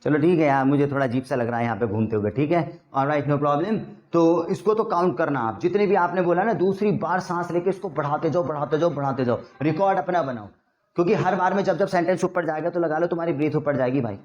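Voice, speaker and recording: Young man, Hindi accent, classroom English teacher, conversational and a touch high-pitched. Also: a little fast, a little mellow, muffled recording. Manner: chatty, addresses class with rhetorical checks. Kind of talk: classroom spoken-English lesson.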